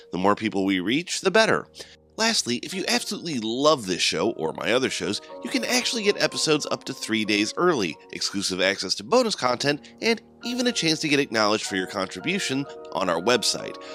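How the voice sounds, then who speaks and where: A man's voice: mid-range voice, fairly bright tone. A man who creates and narrates a podcast, reading from a script in a polished, prepared style. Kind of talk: scripted announcement and story narration.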